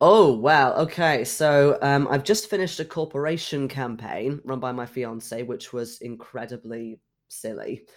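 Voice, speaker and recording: On a very clean recording with a silent background, a man with a normal speaking voice talks at a fairly slow pace with hardly any pauses and big swings in loudness. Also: medium pitch for a man, ordinary pitch variation. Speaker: online charity convention organizer. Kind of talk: podcast interview.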